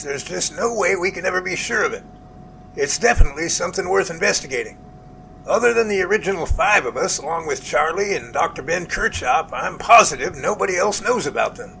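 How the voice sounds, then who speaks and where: A man playing a jovial, earnest research professor in an amateur audio drama, with animated, folksy phone talk. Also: sits high, creaky, slight background noise, heavily acted, poor audio.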